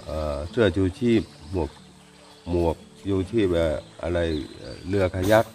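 A man's voice: low voice, animated, normal speed, gravelly, a little mellow, a little hiss or hum. A man working as a local guide, explaining the cave to a visitor outdoors in a hesitant way, with many fillers and agreeable replies. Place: outdoors at a cave mouth by a stream.

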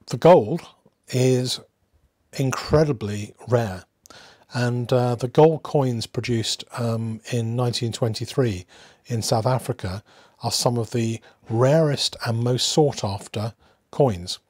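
A man hosting a hobby video in a casual, unscripted way, musing aloud with hesitant pauses. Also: mid-range voice, a little mellow, slightly rough, dry recording, clean studio sound. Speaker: host of a coin collecting channel.

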